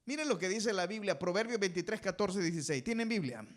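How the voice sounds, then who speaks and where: Addressing his congregation as brothers, a man preaching as pastor speaks with emphasis and lets them complete the ends of his sentences. He sounds high-pitched, animated, and fast.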